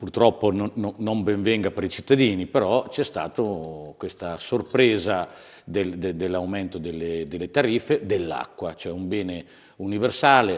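The speaker goes at a moderate pace with ordinary pitch variation. The background is quiet. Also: man, fairly low pitch for a man. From central Italy, Marche (Fano area); Marche. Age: 40s. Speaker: mayoral candidate, businessman; candidate. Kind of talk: TV political interview. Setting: TV studio. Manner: hesitant, many fillers. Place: studio. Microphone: lapel.

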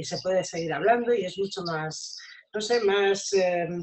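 A woman speaks at a very slow pace with a Spanish accent, her pitch sitting in the middle range. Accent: Peninsular Spanish. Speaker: small business owner. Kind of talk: webinar discussion.

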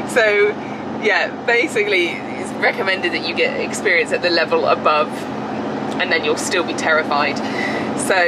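Amid loud background noise, a woman speaks at a moderate pace with ordinary pitch variation and long, frequent pauses. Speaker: horse eventing vlogger. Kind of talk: casual vlog chat. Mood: cheerful, laughing. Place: car. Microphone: phone near.

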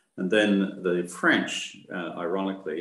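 Moderate-paced speech with audible room echo. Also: man. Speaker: guest, former politician. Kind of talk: interview answer. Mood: measured, explanatory. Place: office. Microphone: video call.

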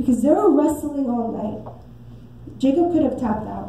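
A woman at a fairly slow pace with audible room echo. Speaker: preacher. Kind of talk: sermon. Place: church.

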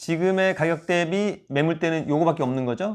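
Against a quiet background, a man with a fairly high voice speaks at a moderate pace. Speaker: stock market YouTuber, lecturer. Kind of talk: stock analysis presentation. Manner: animated.

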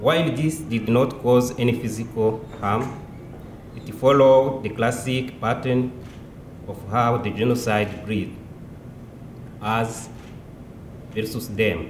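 Amid noticeable background noise, a man talks at a very slow pace with fairly even intonation and long, frequent pauses. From Rwanda. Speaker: genocide survivor giving testimony; speaker. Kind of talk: testimony. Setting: stage with audience at commemoration event. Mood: solemn, measured. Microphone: podium.

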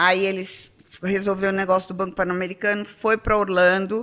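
Bright, sharp female voice at a moderate pace, monotone and flat, against a quiet background. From Brazil. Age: 60s. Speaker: artist; podcast guest. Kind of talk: casual chat. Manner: halting. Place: studio. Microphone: studio mic.

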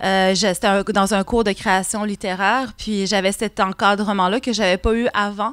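Hardly pausing, a woman speaks at a moderate pace with monotone, flat intonation. The sound is dry with no echo, and the background is quiet. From Quebec City, Quebec; Quebec. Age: 30s. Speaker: novelist and French teacher; guest. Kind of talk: public interview. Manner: hesitant, many fillers. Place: hall. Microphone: podium.

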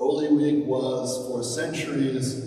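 A man speaks very slowly amid strong room echo. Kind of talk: sermon. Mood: earnest, serious. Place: church.

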